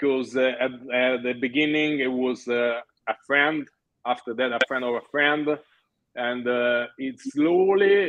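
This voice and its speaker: A man with an Italian accent speaks at a fairly slow pace. His pitch sits in the medium range. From Italy, Naples. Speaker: wedding photographer. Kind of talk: casual interview. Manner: halting, many fillers.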